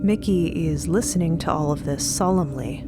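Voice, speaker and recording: Low-voiced woman narrator over loud music. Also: moderate pace. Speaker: narrator and storyteller. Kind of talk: scripted present-tense narration of audio fiction.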